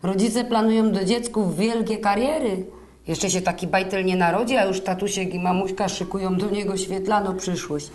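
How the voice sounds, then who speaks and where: A woman's voice: mid-range voice, steady tone, normal speed, a little mellow, lightly acted. A woman playing a sceptical grumbler in a scripted radio dialogue, opinionated and speaking with a Silesian accent. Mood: sardonic. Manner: opinionated, complaining. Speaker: co-host of a radio show.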